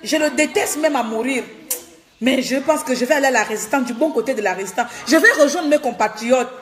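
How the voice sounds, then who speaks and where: Woman from gabon ranting about politics, high voice, repeats herself, laughs while scolding. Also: brisk. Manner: fiery, repetitive, scolding, with laughs. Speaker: political activist vlogger. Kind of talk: impassioned political monologue.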